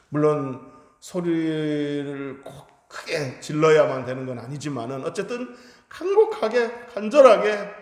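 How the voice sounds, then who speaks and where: Earnest preacher man in echoing hall. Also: a little high. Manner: earnest preaching, voice swelling loud on emphasis. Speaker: pastor. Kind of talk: Sunday sermon. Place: church sanctuary. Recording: echoey hall reverb.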